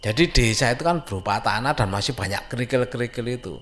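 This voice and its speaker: A man's voice: medium pitch, lively intonation, fast, a bit bright, a little hiss or hum. A man with an East Javanese Indonesian accent tells a scary story informally, conversational and suspenseful, repeating phrases for emphasis. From Indonesia, a Javanese-speaking village. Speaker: horror story narrator. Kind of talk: informal spoken ghost storytelling.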